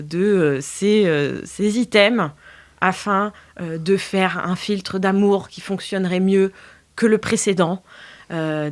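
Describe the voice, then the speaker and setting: A woman's voice: mid-range voice, lightly acted. A woman plays an old potion-maker in an improvised audio fiction. She is a scheming captive who speaks as someone bargaining for her life.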